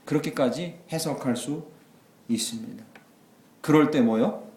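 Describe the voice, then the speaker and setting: Male pastor, mid pitch, animated sermon delivery, roomy echoing sanctuary. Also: measured pace. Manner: animated, swings from quiet asides to loud exclamations. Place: church sanctuary. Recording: echoey church hall.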